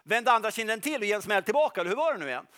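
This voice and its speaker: A man's voice: high voice, very animated, sharp tone, heavily acted. A man preaching voices a sly male devil who mockingly lists a listener's faults with sarcastic, probing questions. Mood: taunting.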